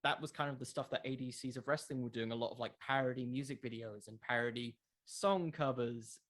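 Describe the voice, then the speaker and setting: A man's voice: medium pitch, a little fast, fairly bright tone. A man answering questions in a casual interview, thinking aloud and repeating words as he goes. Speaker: podcast creator, interview guest. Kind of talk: casual interview chat about wrestling fiction.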